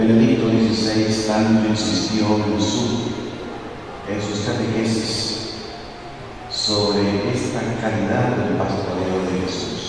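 Long, frequent pauses break up a man's very slow, monotone, flat speech at a fairly low pitch, heard in strong room echo with noticeable background noise. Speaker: bishop preaching. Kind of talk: sermon. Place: church.

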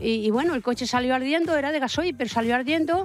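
A woman speaks with faint music in the background. The sound is dry, with no echo. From León, Spain. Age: 70s. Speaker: veteran discus thrower. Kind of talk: interview answer. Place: stadium. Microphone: handheld.

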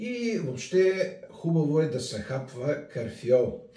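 In a Varna accent, a man talks with lively intonation, and audible room echo is heard. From Bulgaria, Varna. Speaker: cooking YouTuber. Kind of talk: cooking tutorial. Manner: hesitant, many fillers.

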